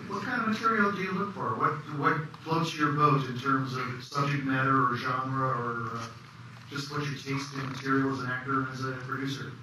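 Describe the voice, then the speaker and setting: A man asking casual, slightly halting questions as interviewer at a press junket. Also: medium pitch, fairly even intonation. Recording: echoey room, distant mic, background noise.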